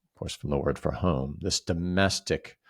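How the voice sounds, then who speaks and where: A man co-hosting a literary discussion, speaking emphatically and haltingly, often repeating words as he reflects. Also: extremely low pitch. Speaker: co-host.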